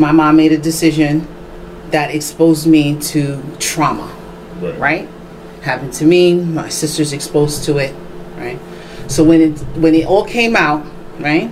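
A woman's very deep, low voice with fairly even intonation, long, frequent pauses and noticeable background noise. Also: moderate pace. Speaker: panel guest. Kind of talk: casual panel discussion. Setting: studio.

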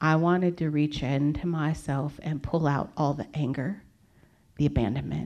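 Her pitch is very deep and low for a woman. She keeps a moderate pace. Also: ordinary pitch variation. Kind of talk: testimony. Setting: church.

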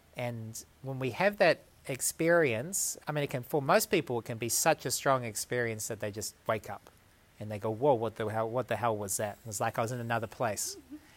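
A fairly quick, medium-pitched male voice with ordinary pitch variation. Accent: New Zealand. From New Zealand. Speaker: yoga teacher. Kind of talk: casual interview. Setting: away from studio, dog present.

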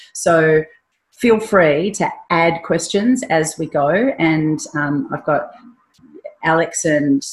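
A woman talks in an Australian accent at a fairly low pitch. Her intonation is lively and her voice somewhat breathy. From Melbourne, Australia. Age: 40s. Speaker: voiceover artist and actor. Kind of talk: workshop talk with audience questions. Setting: video call presentation to an online audience. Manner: animated, conversational.

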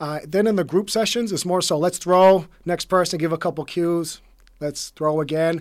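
A high-pitched man with an American accent, moderate pace and fairly even intonation, on a very clean recording with a silent background. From Boston, Massachusetts. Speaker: track and field coach. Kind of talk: interview.

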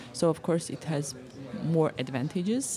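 The speaker is a woman. Her pitch is fairly low. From Georgia. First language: Georgian (speaking French). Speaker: electronic musician. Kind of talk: interview.

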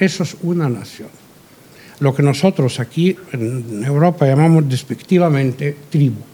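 A man with a fairly high pitch and an Arabic accent, fairly slow pace, ordinary pitch variation, noticeable background noise. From Egypt, Cairo. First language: Arabic (speaking Spanish). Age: 70s. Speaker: journalist. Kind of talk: panel talk.

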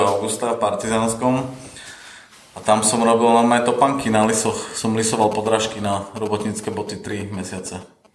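A man's medium-pitched voice with monotone, flat intonation and audible room echo. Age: 30s. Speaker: tattoo artist. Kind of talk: casual interview chat.

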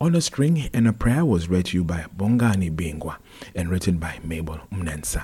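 At a fairly quick pace, a man speaks in a very deep, low voice with lively intonation over noticeable background noise. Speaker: podcast host. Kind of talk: podcast intro and outro.

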